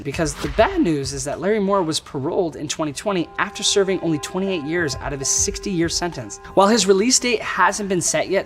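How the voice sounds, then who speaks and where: A man with a somewhat high voice tells a true crime story in a loose, casual way and drops wry, slangy jokes between the facts. Clear background music plays under his narration throughout. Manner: wry, joking asides with slang. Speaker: true crime show host.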